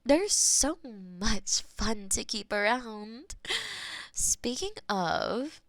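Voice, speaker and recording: Woman as a possessive demon mistress, teasing, slow purring delivery, soft whispers, dry close sound. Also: a little high, lively intonation, dry recording, full character voice. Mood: smug. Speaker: voice actor in an audio roleplay. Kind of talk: audio roleplay acting.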